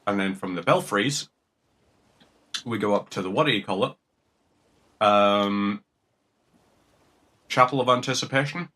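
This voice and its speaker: A man's voice: fairly low pitch, unhurried, pauses often, bright, forceful tone. A young man casually commentating on a game, jokey and rambling, swearing now and then. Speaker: gaming streamer. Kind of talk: casual commentary while playing.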